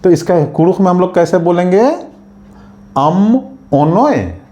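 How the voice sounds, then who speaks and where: A man teaching a spoken language lesson, saying each phrase slowly and carefully and repeating it for learners. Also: sits high, little pitch movement, mellow.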